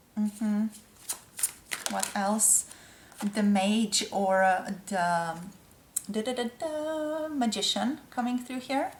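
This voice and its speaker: With a Slovenian accent, a woman speaks very slowly, leaving long, frequent pauses, her intonation lively. Noticeable background noise runs underneath. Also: fairly high pitch for a woman. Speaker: tarot reader. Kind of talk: tarot reading. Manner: halting.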